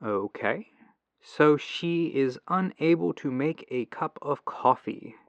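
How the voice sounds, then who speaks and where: A man playing a patient, earnest tech-support agent in a gentle, reassuring ASMR phone roleplay, through a lo-fi telephone filter. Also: on the high side, expressive, slow pace, no echo. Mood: helpful, calm. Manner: gentle, reassuring, apologetic, musing to himself. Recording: lo-fi muffled telephone sound.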